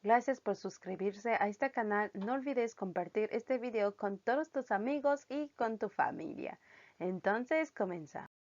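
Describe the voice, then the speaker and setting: A woman's voice: medium pitch, expressive, measured pace, a little mellow. A woman French teacher giving a language lesson, spelling out letters and repeating each sound. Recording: dull lo-fi recording.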